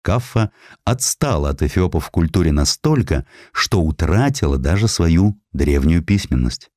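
A man reading a scripted historical narrative in a measured, expressive storytelling way. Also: low voice, dry recording, studio quality. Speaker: audiobook narrator.

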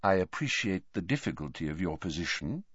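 A man's voice: a little high, sing-song, a little slow, no echo, lo-fi sound, pitched above the performer's own voice. A man voicing a frail old male headmaster wizard who speaks lightly and courteously. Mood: gentle.

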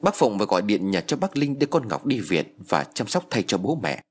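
A man narrating a horror story in an expressive storytelling manner. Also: fairly low pitch, brisk, husky.

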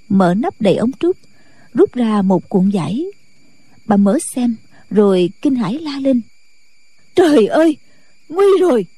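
A woman narrating a martial-arts novel as an audiobook in a steady, measured way. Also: on the high side, breathy edge, no echo.

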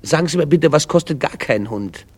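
A man's voice: on the high side, animated, brisk. A man voicing a woman in a pet shop who haggles, raising her voice in disbelief at every price. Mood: incredulous. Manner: raised, incredulous haggling.

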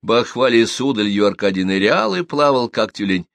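A man reads an audiobook with expressive storytelling. His lowish voice rises and falls a lot. The recording is dry and close, with no room sound. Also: normal speed, vocal fry, no echo. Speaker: narrator. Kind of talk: audiobook reading.

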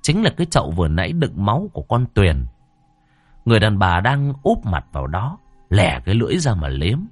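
A man tells a horror story. His delivery is dramatic and suspenseful, with wide swings in pitch. The sound is dry and close, with faint music underneath. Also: very animated, brisk, dry recording. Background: faint background music.

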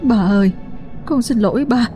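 A woman putting on a sobbing, shrill young daughter. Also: normal speed, warm tone, faint music behind, natural voice. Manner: shrill, pleading then defiant. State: crying.

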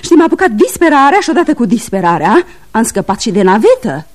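A woman acting a theatrical, fickle and cruel woman in an old radio play, declaiming grandly and swinging between coaxing and shouting. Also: on the high side, sing-song. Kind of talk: 1970s radio drama acting.

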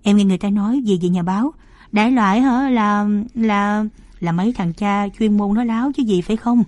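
A woman's voice: mid-range voice, fairly quick, a little mellow, dry recording, natural voice. A woman reading a joking young journalist. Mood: teasing. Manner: playful, self-mocking banter. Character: joking young male journalist, teasing and easygoing. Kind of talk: audiobook character reading.

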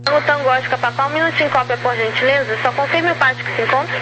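A woman's voice: high-pitched, fast talker. A Brazilian woman working as an air traffic controller, giving instructions over aviation radio. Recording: noisy aviation radio transmission.

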